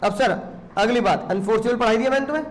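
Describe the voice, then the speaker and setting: A man's voice: very high-pitched, fast talker. A man teaching a law class, teasing and scolding students with lots of rhetorical questions. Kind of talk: classroom lecture.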